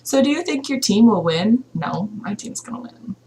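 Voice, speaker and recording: A woman's voice: on the high side, lively intonation, normal speed, dark tone, a little hiss or hum. A woman co-hosting a game playthrough, chatting casually and reading the game's text aloud into a headset.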